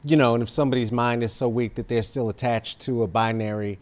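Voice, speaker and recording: A baritone-voiced man in his forties hosts a podcast interview over a video call from home, with a studio mic visible in frame and an earbud in. He talks quickly, animated and emphatic, gesturing as he goes in this casual conversation.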